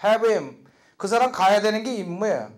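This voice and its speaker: High-voiced man teaching English. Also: lively intonation. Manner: drills English phrases slowly, explains quickly with asides. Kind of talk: classroom lecture.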